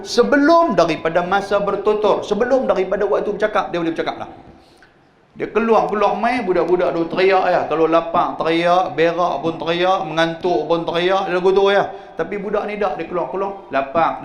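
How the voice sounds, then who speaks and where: A male religious teacher with a northern Malay accent, giving a mosque lecture on scripture with lively storytelling, humorous asides, and frequent questions to the congregation. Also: high-pitched. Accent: Northern Malay (Kedah-Penang). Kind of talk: mosque sermon-lecture on Quran commentary. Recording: echoey live-stream hall audio with faint hum.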